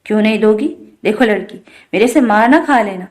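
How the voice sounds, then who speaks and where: A woman's voice: mid-range voice, close to an everyday voice. A woman voicing a curt, hot-tempered young man who snaps his lines, in a storybook reading. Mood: angry. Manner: curt, snapping.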